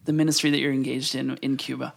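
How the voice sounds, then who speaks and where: A host asking interview questions in a friendly, halting way with small restarts. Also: mid-range voice, flat delivery, creaky.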